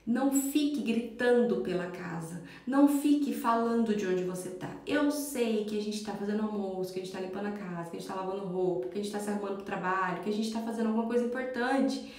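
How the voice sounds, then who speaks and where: A woman in her thirties, a parenting educator, giving a lively instructional talk on a live stream and acting out yelling parents and children. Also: mid-range voice, fast, few pauses, heavy reverb.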